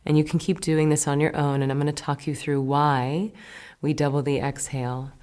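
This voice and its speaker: Woman meditation teacher, low-pitched, calm guiding delivery with gentle whispered cues. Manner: slow, soothing, gentle instructions with soft whispered words. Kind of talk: guided meditation.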